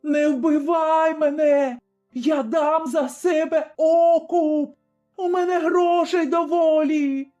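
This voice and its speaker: A man voicing a vicious old tavern-keeping woman called a witch in a told story, shrill and screeching. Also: extremely slow, darkish tone, lo-fi sound, soft background music. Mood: terrified.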